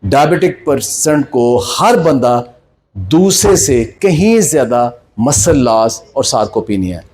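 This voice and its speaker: A man's voice: mid-range voice, very animated, slow, darkish tone, slight background noise. A man in his sixties with a Pakistani Punjabi accent gives an informal health lecture, exhorting listeners in colloquial speech mixed with English terms. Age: 60s. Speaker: health speaker.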